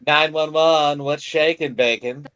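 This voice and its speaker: A man's voice: fairly high pitch, fairly even intonation, measured pace, bright, forceful tone, clean tone. A man playing a flippant, uncaring emergency dispatcher in a game, with an offhand, mocking manner.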